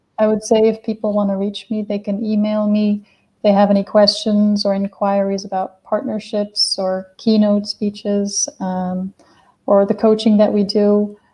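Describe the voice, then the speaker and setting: A somewhat breathy woman with a Dutch accent, medium in pitch, with monotone, flat intonation at a moderate pace. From Belgium, Dutch-speaking part (Flanders). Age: 20s. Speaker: business coach. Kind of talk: interview.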